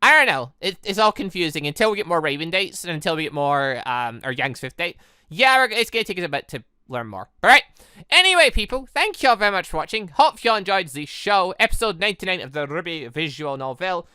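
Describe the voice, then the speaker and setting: Bright, animated gaming commentator. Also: medium pitch, quick pace, smooth, no room sound. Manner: rambling, excitable, exclaiming. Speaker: gaming video host. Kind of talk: casual game playthrough commentary, reading dialogue aloud.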